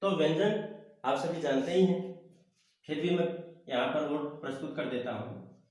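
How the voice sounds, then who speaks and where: A man teaching a Hindi grammar lesson online, slowly reciting the letters one by one. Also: on the high side, a little mellow. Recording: very echoey room.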